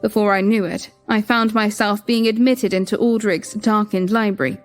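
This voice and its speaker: A young woman narrating in first person as a queen, measured and reflective. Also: medium pitch, steady tone. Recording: music bed behind.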